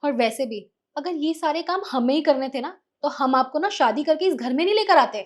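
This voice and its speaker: An actress playing a spiteful, tattling young sister-in-law who taunts sharply in a family drama. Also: female voice, sits high, expressive, brisk. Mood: taunting. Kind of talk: Hindi family drama acting.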